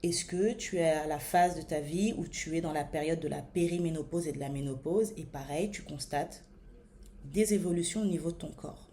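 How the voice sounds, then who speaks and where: A French woman in her thirties talks straight to her viewers as a body-image coach. Her voice sits a little low, and she speaks slowly and deliberately, pausing often with fillers as she searches for words. Faint room ambience hums behind her. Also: dark tone, slight background noise. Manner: many hesitations and fillers. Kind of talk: motivational talk to camera.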